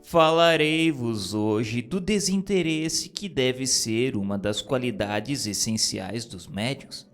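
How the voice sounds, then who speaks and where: A man giving a solemn, measured reading of a spiritual text as narrator. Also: faint music behind. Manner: slow, measured, grave delivery with lively pitch swings.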